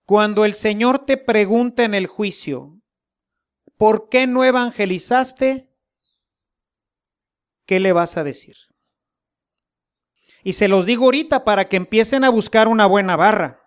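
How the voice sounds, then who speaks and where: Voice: mid-range voice, moderate pace. A Catholic preacher with a Mexican accent giving a sermon in a folksy, humorous way, full of rhetorical questions to the congregation.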